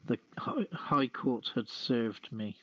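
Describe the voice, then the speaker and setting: Slow-talking man on a phone-like line. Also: medium pitch, no echo. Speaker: podcast host. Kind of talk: reading news and show sign-off. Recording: phone-like lo-fi streamed voice channel.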